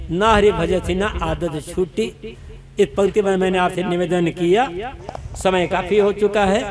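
A man, a spiritual teacher, giving an earnest devotional sermon, repeating his points to press them home. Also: high voice. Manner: earnest, repetitive exhortation. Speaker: saint giving a discourse. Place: satsang gathering.

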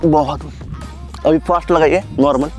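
Casting: young male fitness coach, fairly high voice, brisk rep-counting commands, faint music underneath. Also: fairly even intonation. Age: young adult. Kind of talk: workout instruction. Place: open grass field by a lake, outdoors.

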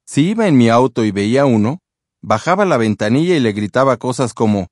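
A man from Australia calmly reading his own personal testimony as a voice-over. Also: mid-range voice, a little fast, dry recording, studio quality. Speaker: testimony speaker.

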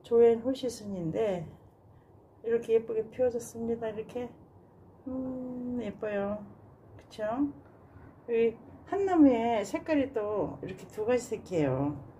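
A woman casually narrating a tour of her home balcony garden, gushing with soft admiring sighs. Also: on the high side, expressive, measured pace, a little hiss or hum. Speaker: gardening vlogger. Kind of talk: casual narration while showing plants.

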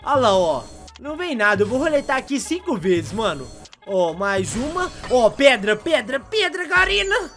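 Young brazilian gamer guy, brazilian portuguese accent, high voice swinging around, a bit hoarse, keeps exclaiming. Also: very animated, moderate pace, a bit bright, soft background music. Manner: exasperated, exclaims often, heavy slang. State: voice going hoarse. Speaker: gaming YouTuber. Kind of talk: excited gameplay commentary.

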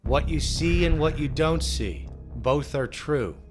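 A man voicing a mysterious male black magician, speaking slowly and ominously over clear background music. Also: on the high side, pitched above the performer's own voice. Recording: music playing clearly behind.

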